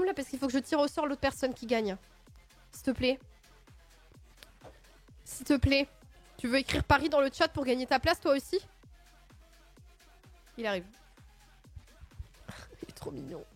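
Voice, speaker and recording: A woman hosting a livestream in casual chat, playful and expressive with sudden excited outbursts. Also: sits high. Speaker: livestream host. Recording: faint music in the background.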